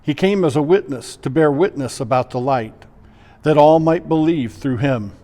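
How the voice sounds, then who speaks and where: Mellow male pastor reading scripture, long reverb. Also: fairly high pitch, normal speed.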